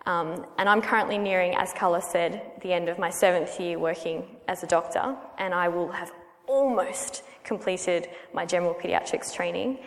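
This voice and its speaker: A woman's voice: lowish voice, moderate pace. Earnest Australian woman in a reverberant hall. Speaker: guest speaker giving a testimony. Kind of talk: prayer and personal testimony.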